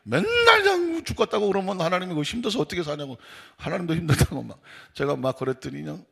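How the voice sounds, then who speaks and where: A man preaching with a gravelly, husky voice that sits a little high for a man. He talks in a folksy, emphatic way and keeps slipping into the voices of the people he quotes. This is a dawn sermon given in a church sanctuary. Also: big pitch swings, fast talker, fairly bright tone. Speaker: pastor. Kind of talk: animated dawn-service sermon.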